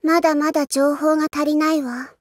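A woman playing a mysterious scheming villainess in an anime teaser, speaking in a composed, haughty, deliberate way. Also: high-pitched, flat delivery, dry recording, studio quality, lightly acted. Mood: cool, brooding. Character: mysterious scheming female villain, coolly observing and creating monsters. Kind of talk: scripted anime teaser voice-over.

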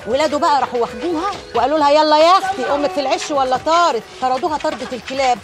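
An actress playing a nosy, gossiping older neighborhood woman with an Egyptian accent and dramatic folksy exclamations. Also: high-pitched. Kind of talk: TV drama acting.

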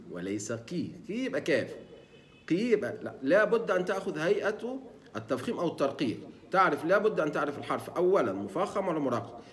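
A man teaches Quran recitation, breaking words into single letters and sounding them out slowly. His voice swings widely in pitch as he explains. He poses questions and answers them himself. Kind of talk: tajweed lesson with demonstrations.

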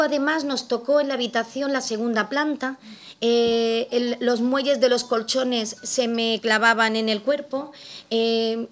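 Middle-aged woman from Spain, slightly high pitch, emphatic testimony with lots of repetition. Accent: Spanish from Spain. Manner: repeats words for emphasis, vivid storytelling. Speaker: event speaker giving a testimony. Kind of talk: personal testimony to an audience.

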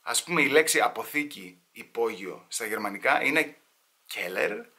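A man tells comic stories from his home in an easy, slangy way. His voice is bright and forward, with a mid-range pitch. He slips into mock voices now and then. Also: expressive, creaky. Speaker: comedian storyteller. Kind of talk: sit-down comedy storytelling.

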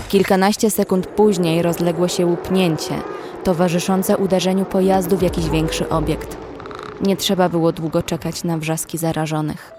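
A woman's voice: lowish voice, close to an everyday voice. A woman playing a young female survivor who narrates a horror audio drama in the first person. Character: young female survivor recounting a frozen zombie outbreak. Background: faint music.

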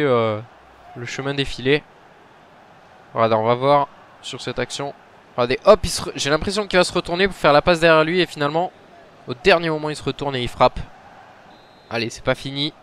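A man commentating his own football video game match, muttering between plays and shouting when goals go in. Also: fairly high pitch, brisk, long pauses, a little hiss or hum. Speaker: gaming commentator.

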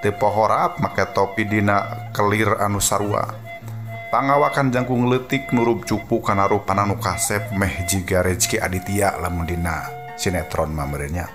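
A man's voice: sits low, flat delivery, moderate pace, over music. A man with a Sundanese accent narrating a scripted story dramatically as a radio storyteller.

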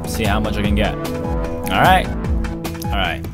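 A man in his twenties giving excited, exclamatory casual commentary as he plays a game. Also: lowish voice, unhurried. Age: 20s. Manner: exclamatory, swearing. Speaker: let's play host. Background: electronic game music.

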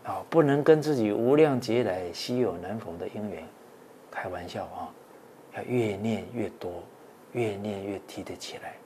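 A man, a Buddhist monk, giving a dharma talk with many drawn-out "ah" and "oh" fillers, earnest and exhorting. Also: fairly low pitch, warm tone, a little hiss or hum.

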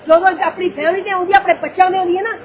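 A woman's voice: very high-pitched, steady tone, very fast. A middle-aged woman arguing heatedly, agitated and accusing, talking over the others. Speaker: distressed woman being persuaded to return abroad. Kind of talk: heated real-life argument. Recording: crowd noise clearly behind.

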